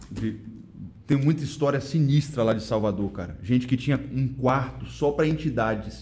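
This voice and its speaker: At a medium pitch with vocal fry, a man talks at a moderate pace with ordinary pitch variation. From Rio de Janeiro, Brazil. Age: 30s. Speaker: pastor. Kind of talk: casual chat.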